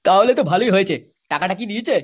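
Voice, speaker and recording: A man voicing a crude, jealous, eager lover and schemer in a comedy cartoon, with a husky processed voice. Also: high-pitched, expressive, rapid-fire, muffled recording.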